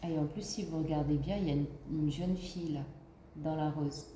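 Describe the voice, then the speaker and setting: Woman w/ the flu doing a card reading, lowish voice, lots of ums and restarts. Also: steady tone, fairly quick, warm tone, echoey room, a little hiss or hum. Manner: rambling, many fillers and restarts. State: has the flu. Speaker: card reader. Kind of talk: casual spiritual card reading.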